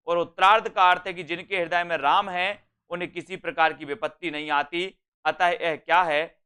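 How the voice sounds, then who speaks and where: Bright-voiced male teacher explaining to a class. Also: high voice, clear, resonant tone. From India. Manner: repeats points, keeps asking "है ना?"; slows to recite verse lines. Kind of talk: exam-prep lesson.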